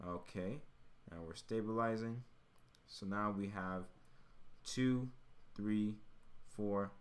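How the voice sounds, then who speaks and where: A man's voice: on the low side, slow pace. A man giving an informal, step-by-step tutoring explanation, thinking aloud as he works. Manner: thinking aloud while working. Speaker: chemistry tutor.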